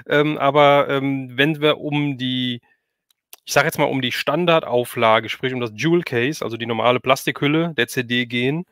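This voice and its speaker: A man's voice: medium pitch, steady tone, normal speed, a bit bright, no echo, studio quality. A man hosting a casual livestream chat, loosely rambling and thinking aloud as he takes viewer questions. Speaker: host of a livestream.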